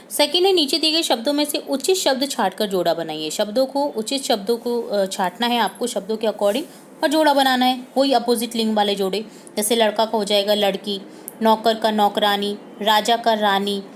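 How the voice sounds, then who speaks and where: Woman teacher, higher voice, slow spelled-out word lists, worksheet lesson, faint hiss behind. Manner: slow, clearly spelled-out word lists mixed with English terms.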